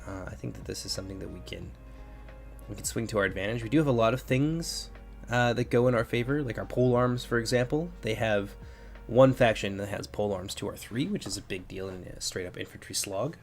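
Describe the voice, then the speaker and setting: A man with a stuffy, congested voice giving relaxed live commentary on a strategy game while answering chat. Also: on the low side, brisk, vocal fry, faint music behind. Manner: relaxed, thinking aloud with fillers. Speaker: game streamer and mod developer. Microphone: headphones with mic at a computer.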